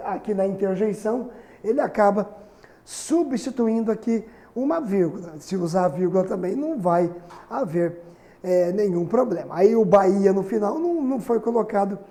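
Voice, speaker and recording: A man's voice: high-pitched, dark tone. A Brazilian man teaching a recorded grammar lesson, chatty, with frequent tag questions and fillers. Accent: Brazilian Portuguese.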